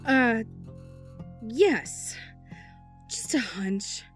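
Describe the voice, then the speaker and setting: A harried political aide with a fairly high voice, rambling and apologetic as she dodges a detective's questions. Some faint music sits under this audio drama scene. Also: animated, extremely slow, slightly rough, full character voice. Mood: flustered. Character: harried female political aide, chatty and evasive. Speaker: senator's deputy.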